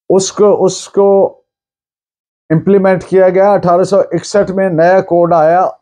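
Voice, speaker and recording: A man with a Pakistani accent giving an explanatory law lecture in a deliberate way, repeating for emphasis and mixing in English terms. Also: sits high, dark tone.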